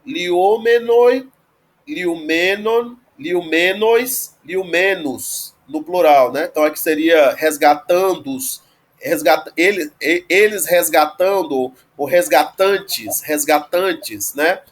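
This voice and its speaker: A man teaching a grammar lesson, explaining patiently and checking in with frequent tag questions. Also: fairly high pitch. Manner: explanatory, frequent "né?" tag questions, slow spelled-out word forms. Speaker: Greek teacher.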